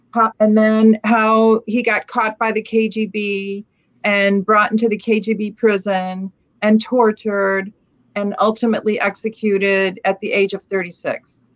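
A woman's voice: medium pitch, fairly bright tone, dull audio. A woman who grew up speaking Lithuanian in the United States, telling her family story reflectively on a video call from home. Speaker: panelist. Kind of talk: personal testimony on an online panel. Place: home room.

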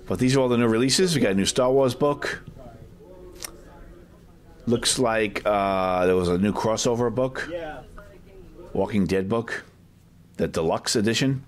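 A man giving a casual shop tour as a vlog host, chatty and off the cuff, often tacking questions onto his remarks. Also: mid-range voice. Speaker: video host and comic collector. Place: inside a packed medium-sized shop. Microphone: handheld camera held by the speaker.

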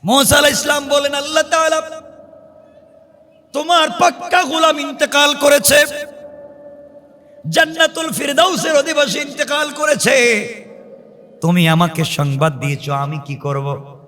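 A man preaching an Islamic sermon as dramatic, plaintive storytelling, with repeated phrases and drawn-out, chant-like calls. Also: very high voice, pushed and bright. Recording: long hall reverb from PA.

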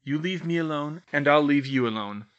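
A man's voice: on the high side, moderate pace, a bit bright, clear, resonant tone, lo-fi sound, close to an everyday voice. A man voicing a defiant teenage boy who talks in a firm, self-assured way. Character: defiant teenage boy wizard, calm and smug.

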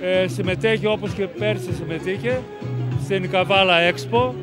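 A man's voice: high voice, over loud music. A middle-aged man, a chamber of commerce official, making a plain, slightly hesitant statement into a handheld mic in front of an expo backdrop. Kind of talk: press statement. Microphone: handheld reporter mic.

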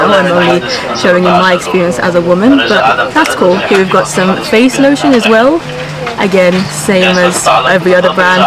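A chatty young woman from a Persian-speaking family films a casual travel vlog from an airplane's business class cabin in a mid-range voice. Enthusiastic and easily impressed, she talks to a handheld camera held at arm's length. The recording is low quality, with background music beneath her voice.

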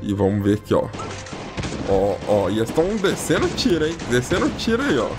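A man giving casual, excitable commentary as he plays a video game, constantly calling out to his viewers. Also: a little fast, over music. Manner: chatty, repeats "ó" and "galera" constantly; lively and excitable, jumps in pitch when surprised. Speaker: gaming YouTuber.

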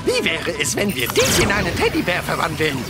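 An actor playing a scheming, gleeful and whiny bandit in a children's cartoon. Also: male voice, high voice, wildly swooping pitch, a little fast. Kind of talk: animated children's cartoon acting. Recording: music behind.

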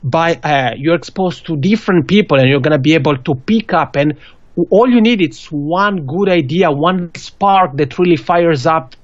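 A man's voice: a little high, normal speed, no room sound. A man in his thirties from Switzerland, a non-native English speaker with a Swiss accent, giving earnest advice as a guest on a video call interview. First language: not English. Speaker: podcasting guest. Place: small indoor room. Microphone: studio mic with pop filter on a video call. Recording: dull, dry video call audio.

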